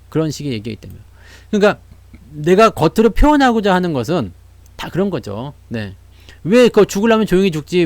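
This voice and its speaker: A man's voice: a little high, darkish tone, no echo. A man giving casual stock market commentary, blunt and slangy, mocking with rhetorical questions.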